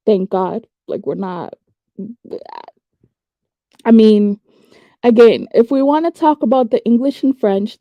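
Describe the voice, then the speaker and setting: A woman's voice: medium pitch, mellow, no echo. A young woman from Ghana giving skeptical, emphatic commentary and firing off rhetorical questions. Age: young adult. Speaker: online commentator. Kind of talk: casual political commentary. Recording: dull lo-fi dry recording.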